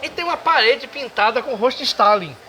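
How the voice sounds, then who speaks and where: A man hosting a casual bar interview, asking questions in a relaxed, conversational way. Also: very high-pitched, brisk, noisy background. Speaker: interviewer host.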